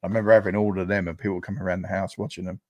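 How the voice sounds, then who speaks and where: British man, low voice, dry close sound, casual podcast chat, rambling, many restarts. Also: level tone, racing, darkish tone, no room sound. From United Kingdom. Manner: rambling, full of likes and restarts. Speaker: podcast host. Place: home setup on a livestream.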